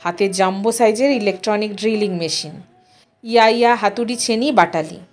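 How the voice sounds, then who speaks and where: A woman narrating a literary audio story in an expressive, scripted reading style. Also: mid-range voice, normal speed, faint music behind.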